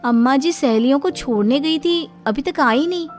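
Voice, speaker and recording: A woman voicing a gentle, worried young daughter-in-law in a cartoon story, speaking politely and anxiously. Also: high voice, moderate pace, soft background music, voice pushed up, lightly acted. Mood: worried pleading.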